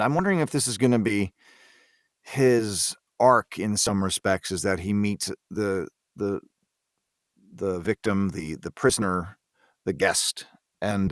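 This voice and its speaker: Man, low pitch, dry sound, thoughtful, halting phrasing, conversational interview answers. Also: no room sound. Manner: hesitant, thoughtful, halting delivery with repeated words. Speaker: voice actor, interview guest.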